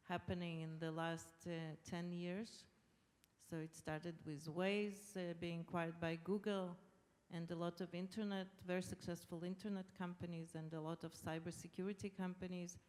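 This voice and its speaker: A woman's voice: fairly low pitch, level tone, moderate pace, a little mellow. A middle-aged woman from Israel, a native Hebrew speaker with an Israeli accent, explaining her points as a panelist. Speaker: panelist, government official. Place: large conference hall. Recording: long hall reverb.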